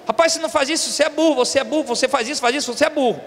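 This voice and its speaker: A man's voice: very high-pitched, racing, a bit bright, long reverb tail. A Brazilian man in his forties preaching a sermon as a pastor, emphatic and repetitive, calling his listeners brothers. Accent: Brazilian Portuguese. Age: 40s. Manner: emphatic preaching, repeats key words, addresses listeners as brothers.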